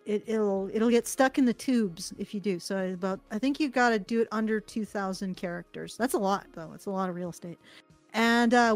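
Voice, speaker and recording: High, giggly woman co-host. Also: no room sound. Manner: chatty, lively, giggles often. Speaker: podcast co-host. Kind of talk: casual chat.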